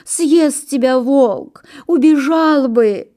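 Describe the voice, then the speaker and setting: A creaky old grandmother pine tree groans and grumbles through every line, as a woman reading the story puts her on. The voice is pitched well up from an ordinary speaking voice, sighing and wailing with a slow, aged drag. It is a storybook reading, grumbling and old. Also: mellow. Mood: groaning.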